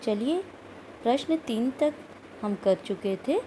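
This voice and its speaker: A woman's voice: a little high, expressive, takes it slowly, dark tone, slight background noise, rough recording. A woman teaching a recorded school Hindi lesson, explaining step by step and repeating words and sounds aloud. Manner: asks questions of pupils, adds "ठीक है" often.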